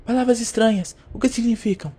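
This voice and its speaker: A woman's voice: fairly high pitch, brisk, warm tone, breathy edge. A woman playing a stern, devout older tribal leader in an audio drama, solemn and imperious in manner. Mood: stern, suspicious.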